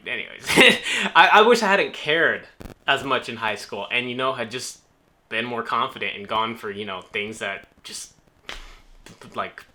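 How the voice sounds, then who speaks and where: A man's voice: mid-range voice, bright, forceful tone. A young man from New Orleans answering viewer questions in a laid-back, joking vlog style. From New Orleans, United States. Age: young adult. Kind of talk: casual Q&A vlog.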